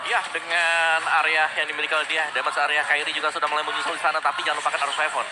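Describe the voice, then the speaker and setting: A man's voice: on the high side, completely flat delivery, rapid-fire, heavy background noise. A man with an Indonesian accent giving analysis as co-commentator of a live esports match.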